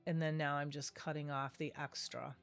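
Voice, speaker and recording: A woman's voice: deep voice, flat delivery, normal speed, faint music behind. A middle-aged woman, nasal from a cold, chatting her way through a craft tutorial and often correcting herself. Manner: chatty, rambling, self-correcting. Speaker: craft video host. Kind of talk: casual craft tutorial voice-over.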